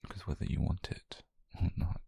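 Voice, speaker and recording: A British man playing an obsessive, possessive mafia boyfriend, calm and dangerous, in a slow, controlled, breathy half-whisper for an intimate ASMR roleplay. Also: dry recording, lightly acted. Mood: possessive tenderness. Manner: slow, controlled, menacingly tender murmur. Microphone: close microphone, dry.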